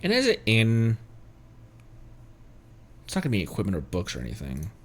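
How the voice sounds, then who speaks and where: Animated man streaming a game, swooping pitch. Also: moderate pace, a little hiss or hum. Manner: thinks aloud, stammering in bursts. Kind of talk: casual live gameplay commentary. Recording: game music behind the voice. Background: video game music.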